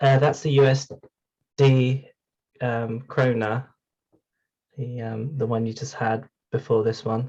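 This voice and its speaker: Speaking with a British accent, a man uses a medium pitch and a somewhat breathy voice at a fairly slow pace. His intonation is monotone and flat, with long, frequent pauses. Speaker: student trader. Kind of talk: casual Q&A. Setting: video call.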